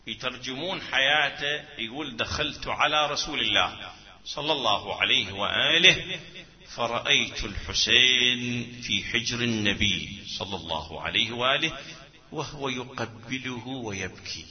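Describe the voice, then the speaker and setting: A man's voice: medium pitch, expressive, moderate pace. A man preaching a mourning sermon, his delivery lamenting and half-chanted. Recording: lo-fi recording with long hall reverb.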